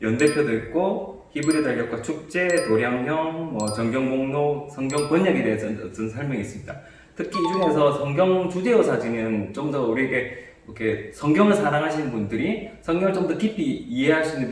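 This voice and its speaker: A man, a priest, calmly explaining a bible commentary and how to meditate with it, with small restarts. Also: fairly high pitch, heavy reverb, recorded from a distance, slight background noise.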